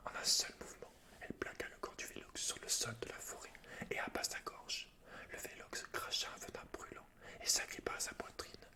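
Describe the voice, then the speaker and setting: Man, breathy whisper, intimate, hushed, ASMR gaming creator style. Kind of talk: whispered ASMR story reading and game commentary.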